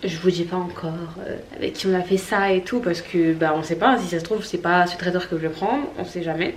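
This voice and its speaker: Noticeable background noise around a woman's voice at a medium pitch. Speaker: vlogger. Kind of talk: vlog. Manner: casual.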